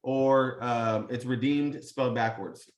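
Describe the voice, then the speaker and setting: This time the live-call host speaks slowly, his medium-pitched voice fairly even in intonation and reverberant. He's still hyped and casual, motivating with plenty of slang, swearing and fillers.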